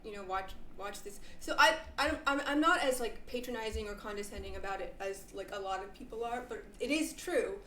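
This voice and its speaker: A woman in her thirties chatting casually on a live stream, sounding stoned, spacey and halting as she rambles through her commentary. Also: medium pitch, pushed and bright. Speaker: streamer reacting to a debate. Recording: roomy echo, noticeable background noise.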